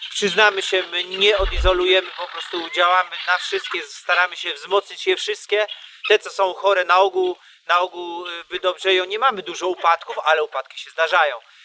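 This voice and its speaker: Fairly even intonation at a fairly quick pace, big swings in loudness, and noticeable background noise. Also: man, high pitch for a man. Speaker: poultry keeper, video host. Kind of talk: casual tutorial. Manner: hesitant, many fillers.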